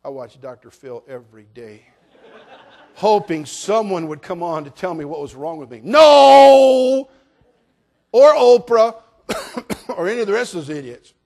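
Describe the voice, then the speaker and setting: High-voiced man preaching, folksy and fiery. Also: animated, measured pace, long pauses. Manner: folksy and joking, rising to shouted preaching. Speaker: pastor. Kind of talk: sermon.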